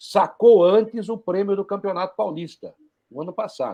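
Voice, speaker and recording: This man's voice is high-pitched. He keeps a moderate pace. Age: 60s. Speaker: football pundit. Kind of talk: casual chat.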